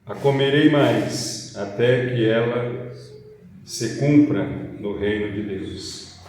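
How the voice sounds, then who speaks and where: A Brazilian man preaching and reading scripture, speaking deliberately phrase by phrase in a church hall. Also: medium pitch, darkish tone. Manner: deliberate, phrase by phrase, with rhetorical questions. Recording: very echoey hall, distant mic, faint noise.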